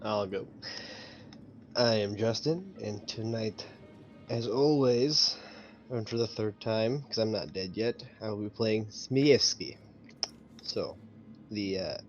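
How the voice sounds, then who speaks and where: A man talking casually as a gaming podcast player, halting as he thinks aloud, with dry humor. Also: fairly low pitch. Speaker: tabletop game player. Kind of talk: casual, reflective chat. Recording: dull lo-fi audio, faint noise.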